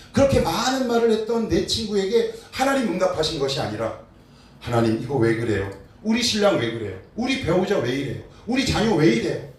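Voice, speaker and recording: A male pastor preaching a sermon, asking his congregation rhetorical questions and swinging between loud and soft. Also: on the high side. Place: church sanctuary. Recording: very echoey hall, distant mic, faint noise.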